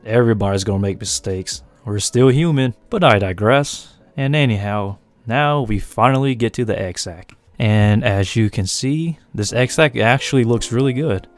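A young American man who breeds tarantulas and hosts a channel narrates his hobby video at a moderate pace, hardly pausing at all. His deep voice has a slight Asian-tinged accent he mentions himself, and his commentary is laid-back, rambling and self-mocking. It's a separately recorded voice-over with faint, soft music underneath.

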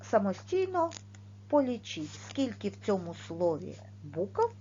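A woman teaching a video lesson for young children, speaking clearly and stressing each word and sound. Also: medium pitch, big pitch swings, mellow, highs cut off, slight background noise. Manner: slow, clearly articulated, stressing words and sounds. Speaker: primary school teacher.

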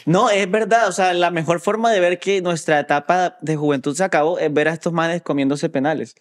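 A man's voice: fairly high pitch, fairly quick. A young man, chatting and teasing casually. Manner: joking, teasing, relaxed banter. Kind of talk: casual chat.

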